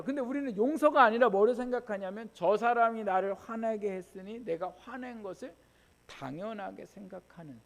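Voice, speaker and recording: A male pastor preaching a sermon in a conversational way, asking the congregation rhetorical questions and telling personal stories. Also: very high-pitched. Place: church sanctuary. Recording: church hall with long reverb.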